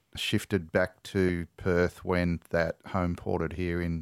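Recorded very cleanly with a silent background and a dry, close sound with no echo, a man with an Australian accent and a very deep, low pitch speaks at a fairly slow pace. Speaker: former navy submariner. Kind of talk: casual interview.

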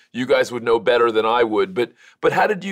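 Using a normal speaking voice, a man talks fairly quickly with lively intonation. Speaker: interviewer, podcast host. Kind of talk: interview conversation. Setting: video call.

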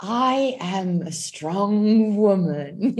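A female-sounding, put-on character voice at a medium pitch. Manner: mocking.

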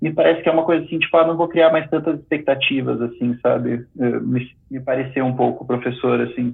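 Over music in the background, a man at medium pitch talks at a fairly quick pace with fairly even intonation and hardly any pauses. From Campinas, Brazil. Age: 30s. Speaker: TV news editor. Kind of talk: casual chat. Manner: halting, repeats words.

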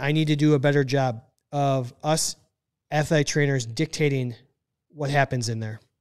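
Here a man talks at a moderate pace in a fairly high pitch with fairly even intonation. His recording is very clean, with a silent background. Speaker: athletic trainer podcast co-host. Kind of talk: casual chat.

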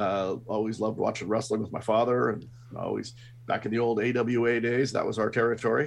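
This man talks at a fairly quick pace. He has a Canadian Prairies accent. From Canada (Winnipeg, Manitoba). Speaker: party host and bartender. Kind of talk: casual chat.

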